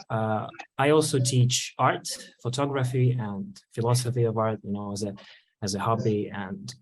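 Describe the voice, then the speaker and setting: A man from Russia, a teacher, introducing himself in a relaxed way on a video call. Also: lowish voice, rough recording.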